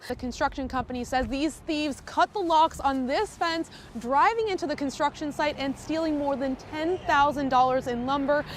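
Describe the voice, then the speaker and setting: Hardly pausing, a woman with a high pitch and ordinary pitch variation talks at a moderate pace over noticeable background noise. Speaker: television news reporter. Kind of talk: live shot and package reporter narration.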